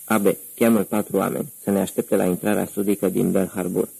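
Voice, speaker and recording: Brief: a man doing a terse audiobook gang boss, low, flat, dark and husky. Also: exaggerated voice, low-quality recording. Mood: commanding. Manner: curt, giving orders. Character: commanding male gang leader in disguise.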